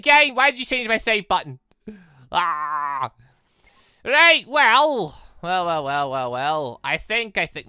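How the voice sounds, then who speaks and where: Casting: gaming YouTuber, lively swooping pitch, bright forceful tone, chatty and rambling, close dry sound. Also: clear, resonant tone, dry recording. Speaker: gaming video host. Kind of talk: casual visual novel playthrough commentary.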